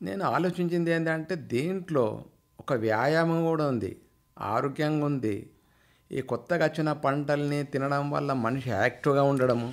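In a quiet background, a man uses a plain, everyday voice that sits fairly high, with ordinary pitch variation. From Telangana, India. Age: 60s. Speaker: retired veterinary assistant and poet; poet. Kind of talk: radio interview. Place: studio. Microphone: studio mic.

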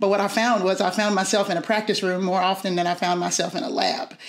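Over a quiet background, a woman with a Southern US accent speaks with fairly even intonation. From US South. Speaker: band director. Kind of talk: panel discussion. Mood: warm, reflective. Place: home room. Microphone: webcam.

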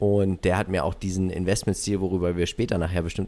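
The man talks at a very fast pace in a very deep, low pitch with a dark, mellow tone. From Germany, childhood partly in Canada and USA. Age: 20s. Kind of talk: interview.

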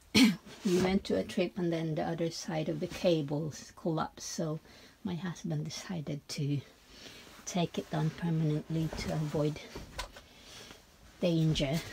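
A fairly slow pace with long, frequent pauses over light background noise. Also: woman, ordinary pitch variation. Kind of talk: casual vlog tour narration. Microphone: phone near.

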